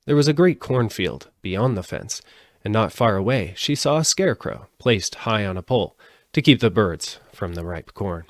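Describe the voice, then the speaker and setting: A man's voice: lowish voice, no room sound, studio quality. A man narrating a storybook aloud as a live audiobook reader.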